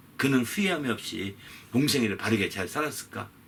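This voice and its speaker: This man's voice has vocal fry. He speaks at a moderate pace. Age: 60s. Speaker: pastor. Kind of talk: sermon. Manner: halting.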